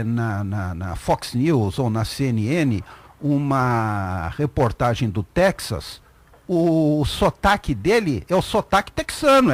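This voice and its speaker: A Brazilian man co-hosting a radio talk show, giving emphatic, opinionated commentary in a casual chat. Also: on the high side. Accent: Brazilian Portuguese.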